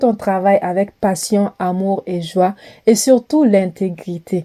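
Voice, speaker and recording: Speaking at a very slow pace, a woman has a medium pitch, ordinary pitch variation and a dark, mellow tone, recorded with a dry, close sound and no echo. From Mali. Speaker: podcast host. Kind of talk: motivational monologue.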